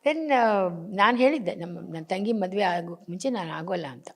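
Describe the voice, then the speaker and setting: A woman's voice: mid-range voice, lively intonation, moderate pace. An older actress, talking about her late husband in an emotional interview and acting out his remembered words, with English phrases mixed in. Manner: mixes in English phrases, acts out remembered dialogue.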